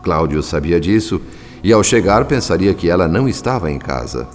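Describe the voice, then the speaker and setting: A compassionate, solemn spirit telling a radio drama. His low voice moves expressively through measured, literary phrasing, set in a long reverb. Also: lively intonation. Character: solemn, compassionate male spirit narrating events. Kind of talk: scripted radio drama narration. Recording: long reverb, music behind the voice.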